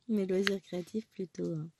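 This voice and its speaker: Here a woman in her thirties with a cold talks casually at home while stitching for her crafting vlog, wandering off topic and fixing her own words. Her medium-pitched voice is gravelly, recorded on a nearby phone against a noisy background.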